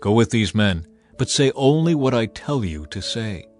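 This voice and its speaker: A man's voice: fairly low pitch, expressive, moderate pace, close to an everyday voice. A man voicing a stern angel with a grave, commanding manner in a dramatized scripture reading. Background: background music.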